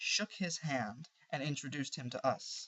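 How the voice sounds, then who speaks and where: A man talks at a moderate pace in an ordinary speaking voice. His pitch is fairly high and his intonation lively. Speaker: poet and assistant magazine editor. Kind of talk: personal essay reading.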